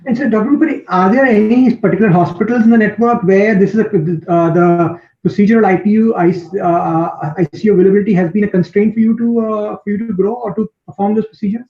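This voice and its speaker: A man's voice: high voice, quick pace, hardly any pauses. A man with an Indian accent asking questions as an analyst on a conference call, hesitant and searching for words. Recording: dull, roomy conference call line.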